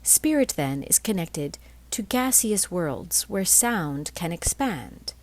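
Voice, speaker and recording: A woman reading a spiritual text aloud as scripted narration, in measured phrases with deliberate pauses. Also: on the low side, sing-song, darkish tone. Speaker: reader of a spiritual blog.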